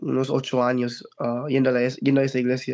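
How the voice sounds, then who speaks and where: Over a quiet background, a man speaks at a medium pitch. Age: 20s. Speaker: preacher and translator; preacher. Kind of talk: interview testimony. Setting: video call. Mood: earnest, reflective. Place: home room. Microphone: video call.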